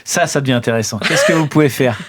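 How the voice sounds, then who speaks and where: A man's voice: mid-range voice, fast talker, fairly bright tone. A man playing in an improvised role-playing game, bantering casually with the others.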